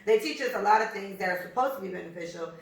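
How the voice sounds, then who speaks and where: An American woman in her thirties co-hosting a podcast, talking bluntly and profanely in an animated, storytelling way. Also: mid-range voice, racing, vocal fry, recorded from a distance. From United States. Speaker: podcast co-host. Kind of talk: casual chat. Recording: echoey room, voice off-mic.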